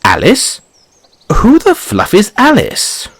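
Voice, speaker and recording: Give the listener a curious white rabbit boy from a fantasy roleplay. The pitch leaps and dips wildly from phrase to phrase. The voice is husky and breathy, with fussy, theatrical musing and quaint little questions. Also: huge pitch swings, takes it slowly, a bit bright, no echo, full character voice. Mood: flustered, astonished.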